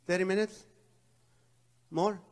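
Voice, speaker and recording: A middle-aged man doing stand-up comedy, telling self-mocking stories in an animated way. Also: high voice, slow pace.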